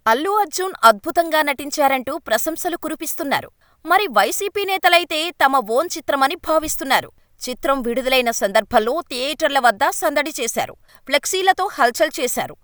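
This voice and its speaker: A woman reading a scripted news voice-over with a brisk delivery. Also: high-pitched, sharp tone, no echo, studio quality. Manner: brisk read-aloud delivery of a written script. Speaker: news narrator.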